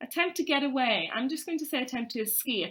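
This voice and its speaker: A woman with an English accent speaks in a bright, sharp tone. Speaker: primary school teacher. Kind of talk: online lesson. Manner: halting.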